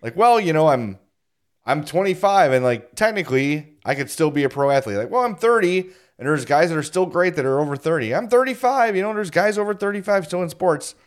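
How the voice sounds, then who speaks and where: A man's voice: a little high, lively intonation, a little fast. A man in his forties hosting a casual sports podcast, jokey and self-deprecating, laughing often. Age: 40s. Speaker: podcast host.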